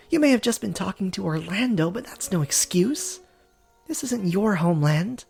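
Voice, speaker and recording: A woman's voice: mid-range voice, vocal fry, darkish tone. A woman voicing an earnest young foreign woman in a story game, chatty, easily flustered and prone to stammering. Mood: musing. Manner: stammering, indignant when teased. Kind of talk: dramatic character voice reading of a story game.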